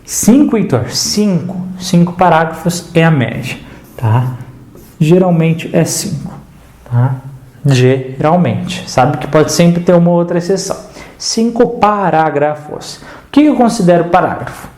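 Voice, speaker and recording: A man teaching an online writing lesson in Brazilian Portuguese, lively and casual, answering the students' doubts he voices himself. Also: a little high, a little slow, reverberant. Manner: addresses the viewer casually, checks in with "tá?".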